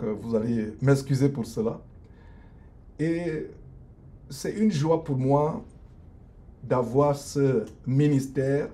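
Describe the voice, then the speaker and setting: On an improvised live stream from his law office during lunch break, a middle-aged lawyer who also ministers online preaches earnestly and answers viewers. His medium-pitched voice is mellow and dark, and he hesitates a lot, dragging out fillers and restarting sentences. There's slight background noise.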